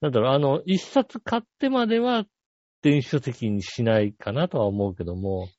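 A man's voice: mid-range voice, lively intonation, moderate pace, a little mellow, no echo, dull audio. A man co-hosting a podcast, telling a rambling story in casual chat with many fillers. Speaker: podcast co-host.

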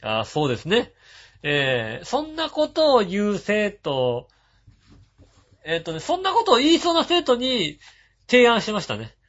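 A man hosting a radio show, reading listener messages and chatting about them in a relaxed, rambling way with frequent chuckles. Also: sits high, moderate pace. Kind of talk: casual chat. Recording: dull lo-fi sound.

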